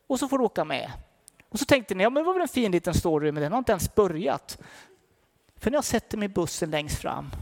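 Fervent preacher, high and gravelly. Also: male voice. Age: older. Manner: fervent, rising to emphatic peaks then dropping to soft storytelling. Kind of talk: sermon.

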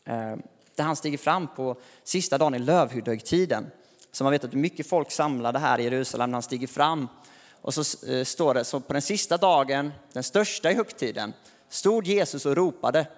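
A man preaching a sermon in a relaxed, conversational way with light chuckles, recorded in a church hall. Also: medium pitch. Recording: long hall reverb.

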